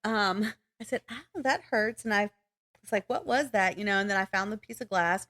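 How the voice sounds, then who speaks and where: A woman podcast co-host talks casually, as if catching up with a friend. Her pitch sits in a middle range for a woman, and her manner is teasing and giggly. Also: moderate pace, a bit bright.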